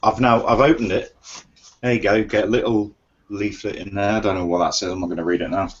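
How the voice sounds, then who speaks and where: Low-voiced host, matter-of-fact. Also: male voice, level tone, fast talker. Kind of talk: casual chat reviewing vape juice. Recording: muffled lo-fi recording.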